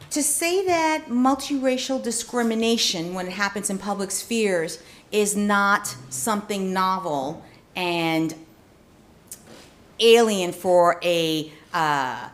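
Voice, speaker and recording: A woman professor answering questions after an academic talk in an analytical, measured manner. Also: medium pitch. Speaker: law professor giving a book talk and taking questions.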